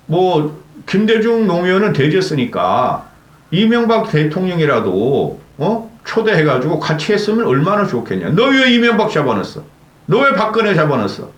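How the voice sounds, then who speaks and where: A man's voice: a little high, roomy sound. A man hosting his own channel, delivering an angry political commentary rant, scolding and swearing with constant rhetorical "eh?" tags.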